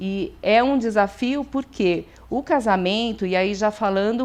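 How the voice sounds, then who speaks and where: Over a quiet background, a woman speaks at a fairly slow pace. Her pitch is fairly high, with ordinary variation. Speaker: sex educator and businesswoman. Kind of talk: casual interview. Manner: halting.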